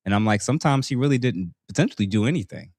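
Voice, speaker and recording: A man with a low voice hosts a casual podcast panel, talking through his questions in a relaxed, meandering way. The sound is dry and close, with little room echo. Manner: relaxed, drawn-out thinking aloud with fillers. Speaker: podcast host.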